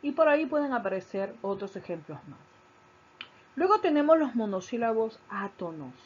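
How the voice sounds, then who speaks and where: A woman teacher giving a recorded grammar lesson, explaining slowly, stressing key syllables and repeating her points. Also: a little high, big pitch swings, husky. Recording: dull lo-fi recording.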